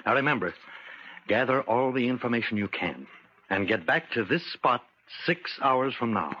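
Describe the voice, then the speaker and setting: An actor playing an earnest, fatherly older scientist in a 1950s radio drama, speaking in a measured, solemn way. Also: mid-range voice, animated, sharp tone, husky. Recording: dull old radio recording with hiss.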